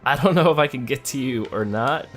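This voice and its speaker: This gamer's medium-pitched voice moves briskly as he thinks aloud and chats with the characters during a casual let's play. Faint music plays behind him.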